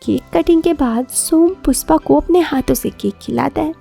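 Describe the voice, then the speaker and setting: A woman's voice: high-pitched, moderate pace, creaky, mellow, soft background music. A woman narrating a scripted romantic story as a podcast storyteller.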